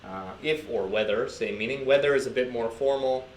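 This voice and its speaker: A man's voice: mid-range voice, fairly quick. A man with an American accent, an English teacher explaining grammar patiently and repeating points with frequent checks for understanding. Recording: echoey room with faint noise.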